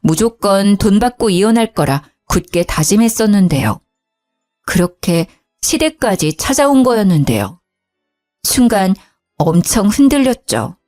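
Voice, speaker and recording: A woman narrating a first-person family story in an indignant, expressive way. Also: mid-range voice, measured pace. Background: faint background music.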